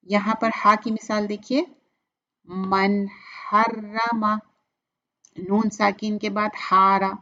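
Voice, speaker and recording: Slow, patient woman teaching recitation. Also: mid-range voice, bright, forceful tone, highs cut off. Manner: patient, repeats each example slowly and clearly. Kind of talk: step-by-step tajweed lesson.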